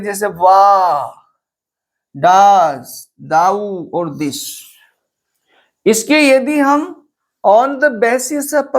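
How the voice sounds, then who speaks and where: A male English literature teacher lectures in a very slow, deliberate way. He drags out each phrase and repeats key terms for emphasis. He moves back and forth between Hindi and English as he explains poetic meter. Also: sits high.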